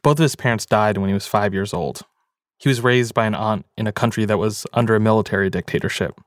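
Casual low-voiced man narrating, dry sound. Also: quick pace, no room sound. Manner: casual, reflective, many "like" fillers. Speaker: podcast producer and narrator.

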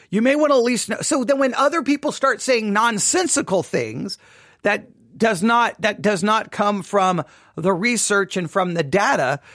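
A man's voice: high voice, a bit bright, no room sound, clean studio sound. A man hosting a solo commentary podcast, talking earnestly with repeated emphasis and frequent restarts. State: voice briefly giving out. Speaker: podcast host.

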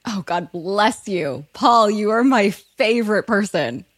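A woman in her thirties from California, a podcast guest who talks frankly and quickly, laughing often and saying "like" a lot. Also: medium pitch, expressive, slightly rough, no echo, studio quality. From California, USA. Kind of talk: candid interview talk.

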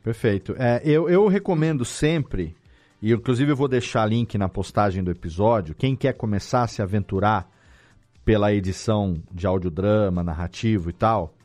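A man's voice: lowish voice, moderate pace, a little mellow, faint music behind. A man with a Brazilian Portuguese accent hosting a casual podcast, explaining things informally and often repeating words. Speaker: podcast host and audio drama editor.

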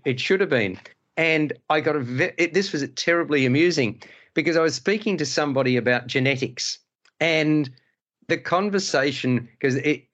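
Rambling podcast host, dull lo-fi sound. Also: male voice, fairly high pitch, a bit bright. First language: Hungarian. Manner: rambling, many restarts and digressions. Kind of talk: casual film-review panel chat.

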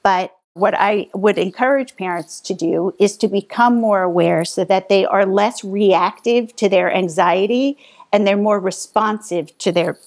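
A woman's voice: mid-range voice, unhurried, darkish tone. Woman guest, thoughtful and explanatory, medium voice. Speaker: author and psychologist guest. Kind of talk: conversational interview.

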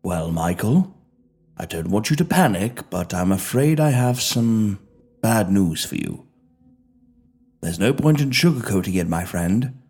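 Man doing elderly afterlife official, kindly, courteous, husky voice, lively intonation, storybook audio drama. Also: on the low side, measured pace, soft background music, full character voice. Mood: reassuring. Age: older. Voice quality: gentle, courteous, soothing.

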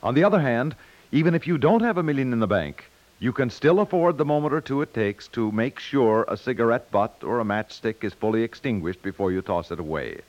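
A man's voice: medium pitch, expressive, fairly quick, a little mellow. A man with an American accent reading scripted announcements as a 1950s radio announcer, on a dull old recording.

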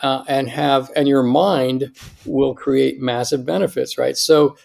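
An American man in his sixties speaking as a podcast guest in a conversational, emphatic way, often checking in with a quick "right?". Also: medium pitch, fairly even intonation, gravelly, darkish tone. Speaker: podcast guest, longevity doctor. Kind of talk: conversational interview, personal anecdotes.

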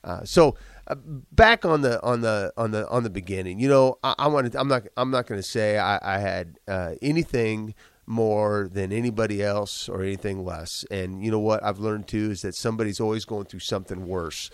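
In a candid interview, a business owner with congestion and a chesty cough speaks with emphasis and frequently repeats his words. His lowish voice is clear and resonant at normal speed. The clean studio recording has no room sound.

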